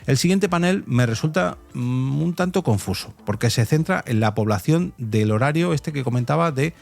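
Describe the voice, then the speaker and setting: With faint music in the background, a Spanish podcast host with a Spanish accent discusses survey results in a conversational tone. His medium-pitched voice is animated, creaky and a little mellow at a normal speed, and he speaks to listeners directly through rhetorical questions.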